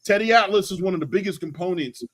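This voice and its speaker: A man with a fairly high-pitched voice hosts a casual boxing talk show. He argues his opinions emphatically in loose slang, often repeating words to hammer a point. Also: quick pace, slightly rough. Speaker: host of a boxing channel.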